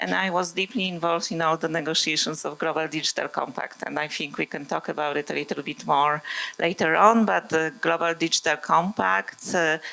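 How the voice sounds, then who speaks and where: A woman's very deep, low voice in a Polish accent, fairly quick and lively, with hardly any pauses. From Poland. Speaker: former government AI advisor, diplomat. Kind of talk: panel discussion. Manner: many fillers.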